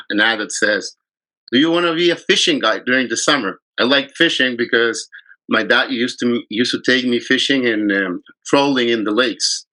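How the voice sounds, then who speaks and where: A man's voice: mid-range voice, pushed and bright, poor audio. A man, a fly fishing guide telling his story in a casual interview, rambling and often restarting his sentences. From Chile.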